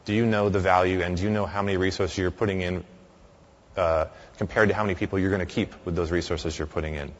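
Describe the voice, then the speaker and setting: Deep-voiced man giving a conference talk. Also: fairly even intonation, quick pace, muffled recording. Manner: conversational with frequent fillers and restarts. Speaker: conference speaker. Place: large hall.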